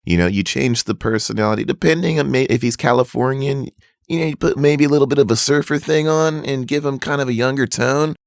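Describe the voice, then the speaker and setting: A man's voice: medium pitch, fairly quick, gravelly, no echo, studio quality. A man coaching voice acting in a casual, earnest tutorial. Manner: casual, conversational, earnest advice.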